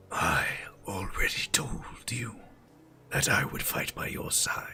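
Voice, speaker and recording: A raspy, put-on character voice from a man, at a fairly slow pace. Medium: actual play. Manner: formal, measured.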